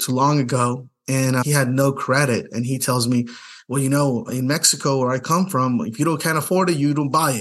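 Over a quiet background, a man with a Spanish accent talks at a fairly quick pace in a fairly high pitch with ordinary pitch variation. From Latin America, moved to US at 10. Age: 40s. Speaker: podcast host, financial advisor. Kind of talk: solo podcast monologue.

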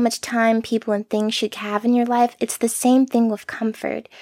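A soft-spoken woman talks at a moderate pace with a fairly high pitch. The sound is dry and close, with no echo. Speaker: podcast host. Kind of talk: solo monologue, personal reflection. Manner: soft-spoken, laid back.

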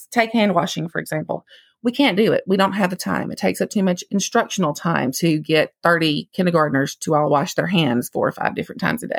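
A woman with a Mississippi accent speaks at a fairly quick pace with lively intonation and vocal fry, in a dry, close sound with no echo. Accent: Southern US, Mississippi. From Mississippi, US South. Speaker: attorney and food allergy parent. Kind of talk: informative interview answers.

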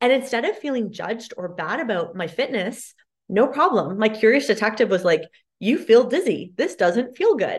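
Her voice somewhat breathy, a woman talks at a moderate pace with a fairly high pitch and very wide pitch swings. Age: 30s. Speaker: dietitian and nutrition coach. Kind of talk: casual interview.

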